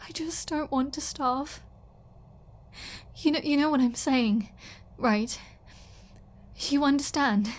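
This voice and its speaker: A woman playing a flirty, starving captive vampire in an ASMR roleplay, halting and teasing, with breathy asides and pleading. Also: high-pitched. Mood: desperate. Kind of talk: ASMR roleplay audio drama.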